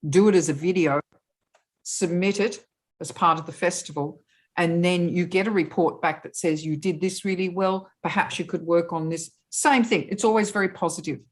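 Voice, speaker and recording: Low-voiced woman explaining a festival. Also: moderate pace. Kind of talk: online meeting discussion. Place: video call.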